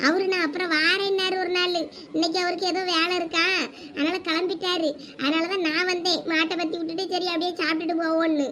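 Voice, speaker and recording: A cartoonish character voice moves along at a moderate pace. Background noise comes through clearly. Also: woman, extremely high pitch for a woman. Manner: chatty, rambling.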